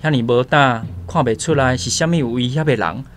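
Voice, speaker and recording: A man's voice: medium pitch, brisk, fairly bright tone, a little hiss or hum, lightly acted. A man playing a brave, protective young tribal man, earnest and emphatic in a radio drama, with a Taiwanese accent. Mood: reassuring, scornful.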